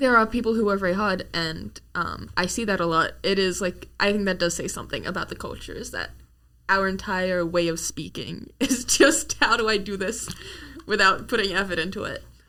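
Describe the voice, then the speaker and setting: The voice has a bright, sharp tone with vocal fry. It moves at a moderate pace with ordinary pitch variation. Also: woman, medium pitch for a woman. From Australia. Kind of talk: casual chat.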